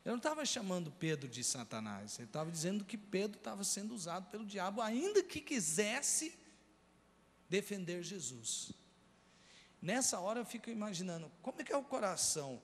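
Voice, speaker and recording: Man, Brazilian Portuguese accent, pastor, earnest storytelling sermon, fairly high voice. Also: sing-song, moderate pace, long reverb tail. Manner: earnest personal storytelling, addressing the congregation directly.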